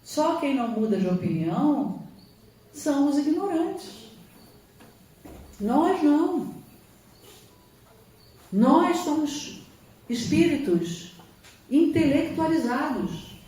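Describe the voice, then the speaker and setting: A woman's voice: sits high, big pitch swings, takes it slowly, long pauses, mellow. Woman lecturing in an echoey hall. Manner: emphatic, acts out quoted voices. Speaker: spiritist lecturer. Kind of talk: spiritual lecture. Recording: roomy hall from far off, faint ambience.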